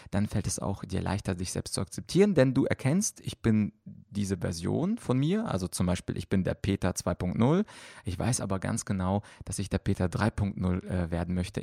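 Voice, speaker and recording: A man's voice: sits low, creaky, darkish tone, no room sound, studio quality. A man speaking as a coach, explaining at length with many fillers on a podcast answering listener questions.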